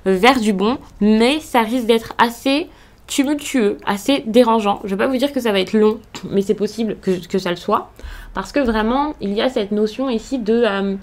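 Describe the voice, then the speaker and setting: A French woman who reads tarot cards does a casual reading to camera, speaking at a moderate pace in a slightly high, darkish voice. She sounds reassuring but hesitant, full of fillers and restarts.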